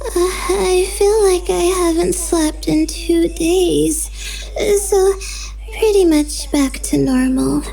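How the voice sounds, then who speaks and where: A high, sleepy, shy young scholar girl in a game, slow and soft, bit gravelly. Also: heavily acted, poor audio. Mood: drowsy. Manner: soft, hesitant, apologetic. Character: sleepy young woman scholar, gentle and meek.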